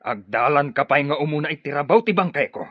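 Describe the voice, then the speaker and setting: An actor playing a proud captive tribal leader, indignant and challenging, with an Ilocano accent, in a radio drama. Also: male voice, fairly high pitch, lively intonation, fast, no room sound. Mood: defiant. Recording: muffled, band-limited radio drama recording.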